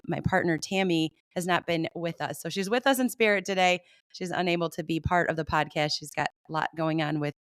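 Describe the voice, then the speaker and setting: A chatty woman hosts a podcast, her voice a touch raspy from a cold yet smooth underneath. She talks upbeat and rambling, with a lowish pitch, recorded close and dry with no room sound. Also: no room sound. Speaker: podcast host. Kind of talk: casual podcast chat.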